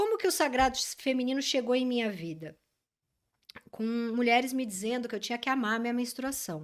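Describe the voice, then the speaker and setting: A woman's high-pitched voice at a moderate pace. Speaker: podcast host. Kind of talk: casual chat.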